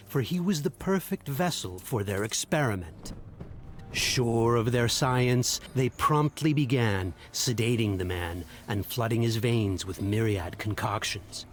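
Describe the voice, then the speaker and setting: A man narrating a dark fantasy game tale as a grave storyteller, in a solemn, dramatic, measured manner. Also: medium pitch, lightly acted.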